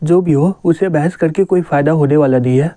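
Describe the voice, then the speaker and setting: A man's voice: on the high side, fairly quick, mellow, no room sound, lightly acted. A man voicing an indignant, touchy woman in her late thirties who scolds a boy, in a manga recap.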